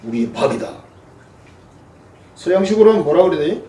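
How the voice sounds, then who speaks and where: In an echoey church sanctuary, a male pastor with a Gyeongsang accent delivers a humorous, folksy sermon and acts out quoted voices. His high, mellow voice swings widely in pitch at a brisk clip; the far-off mic adds a little hiss or hum.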